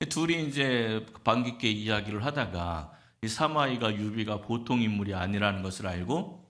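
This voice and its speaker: A low-pitched man preaching a Sunday sermon. His voice rises and falls widely as he tells a story and acts out its lines. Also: moderate pace. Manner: animated storytelling with acted quotes. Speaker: pastor.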